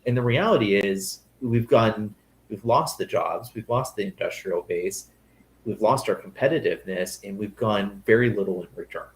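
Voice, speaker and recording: A man's voice: on the low side, moderate pace, low-quality recording. A man hosting a podcast, asking long, chatty questions full of fillers. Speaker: podcast host. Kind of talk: casual interview questions.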